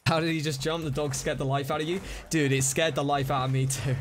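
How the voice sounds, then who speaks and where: A man's voice: on the high side, fast talker, slight background noise. A young man streaming a zombie shooter, chatting with viewers and losing his voice from the hype. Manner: excitable, chatty, greets chat by name. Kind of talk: live-stream gameplay chat.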